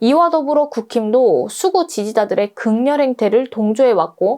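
A woman's high-pitched voice with a dark, mellow tone, very wide pitch swings, a moderate pace, and a quiet background. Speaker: political commentary host. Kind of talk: scripted commentary. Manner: formal.

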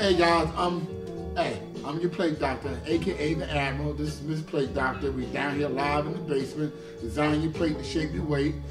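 A man talks at a moderate pace with clear music playing behind him. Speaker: fitness vlogger. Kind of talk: casual vlog chat. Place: gym. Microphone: camera far.

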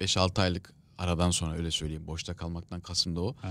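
A man with a very deep, low voice speaks at a moderate pace, the sound dry with no echo. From Turkey, Kayseri; Turkey. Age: 30s. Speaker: comedian; podcast guest. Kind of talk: casual chat. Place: studio. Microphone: studio mic.

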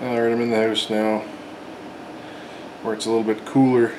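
Over noticeable background noise, a man with a fairly low pitch speaks at a very fast pace in a monotone, flat intonation. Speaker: farmer vlogger. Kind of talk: casual vlog chat. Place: home room. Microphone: phone near.

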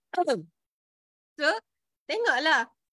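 A woman's raised, projected voice, high and bright with a sharp tone and very wide pitch swings, over a quiet background. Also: dry sound with no echo. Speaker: business co-founder; business coach. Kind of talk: online coaching webinar. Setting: video call. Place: office. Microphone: video call.

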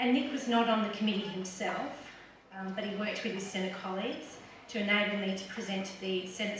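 A woman with an Australian accent speaks at a medium pitch. Strong room echo and noticeable background noise surround her. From South Australia. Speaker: political candidate. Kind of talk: campaign speech. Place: hall. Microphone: podium.

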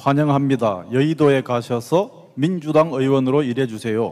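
Ordinary in pitch variation, a man speaks at a moderate pace. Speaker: former car company executive, political recruit. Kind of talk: talk concert. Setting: stage with audience. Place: hall. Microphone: handheld.

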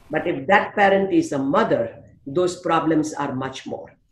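A woman speaks at a fairly slow pace with very wide pitch swings and audible room echo. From India. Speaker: psychiatrist; guest. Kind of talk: panel discussion. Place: home room. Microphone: webcam.

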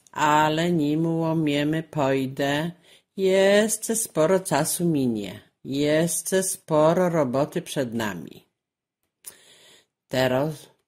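Lively in intonation, a woman speaks at a very slow pace in a Świętokrzyskie accent. The recording is very clean, with a silent background. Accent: Świętokrzyskie rural dialect. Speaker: author of dialect tales. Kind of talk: dialect storytelling.

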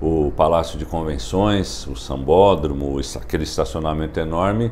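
The speaker's pitch swings very widely over a dark, mellow tone with vocal fry, at a fairly slow pace. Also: man. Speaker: city councilman. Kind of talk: political commentary, rally-style speech. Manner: firm, combative.

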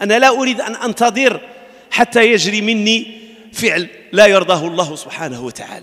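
Against a quiet background, a man with a high pitch speaks at a moderate pace, his pitch varying in an ordinary way while his loudness swings widely. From Morocco. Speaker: imam. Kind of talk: sermon. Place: church. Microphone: podium.

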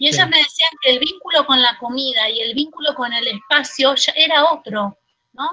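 A woman with a Rioplatense accent uses a raised, projected voice at a high pitch with ordinary pitch variation. Light background noise can be heard. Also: moderate pace. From Argentina. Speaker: university lecturer. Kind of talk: interview. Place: home room. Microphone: headset.

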